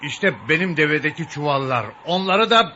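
An actor playing a pious old camel driver who gently pleads and rebukes. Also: male voice, fairly high pitch, lively intonation, moderate pace. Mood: pleading. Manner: pleading, then solemn. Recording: dull audio with faint noise.

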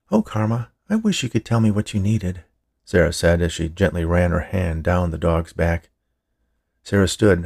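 A man with a low, gravelly, darkish voice hosts his own fiction podcast as its writer and narrator. He reads scripted introductions and stories in an audiobook style.

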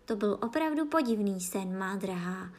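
A woman as a kind older sister from a storybook, gentle, affectionate, brighter and higher. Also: lively intonation, natural voice.

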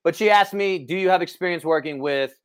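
A talkative personal trainer, a man with a slightly raised pitch. He chats with energy over an online call and restarts his sentences often. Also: a little fast, smooth. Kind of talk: casual podcast chat.

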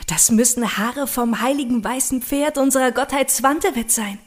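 A woman's voice: high-pitched, moderate pace. An actress playing a devout, curious young woman in love in an audio drama. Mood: awed. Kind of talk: German audio drama acting.

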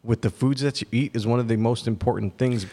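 A man's voice: medium pitch, fairly quick, mellow, husky. Earnest man in his forties. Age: 40s. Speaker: podcast host. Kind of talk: casual chat.

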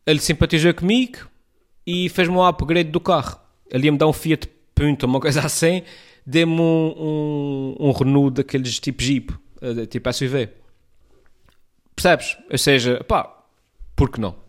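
A man's voice: a little high, steady tone, measured pace. A man with an Azorean accent from São Miguel, hosting a podcast and chatting casually in reply to a listener's message, rambling with many restarts and fillers. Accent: Azorean Portuguese, São Miguel. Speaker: podcast host.

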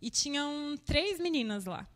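A woman's voice: high voice, sing-song, measured pace, a bit bright, in a large hall. A woman sharing a personal faith testimony in a conversational, emotional way, often tagging her sentences with little questions. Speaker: church member giving a testimony.

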